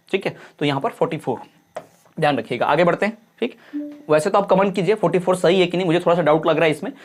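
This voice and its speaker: A male teacher giving an exam-prep lesson. He explains in Hindi, reads English questions out slowly and repeats each answer to drive it home. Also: high-pitched.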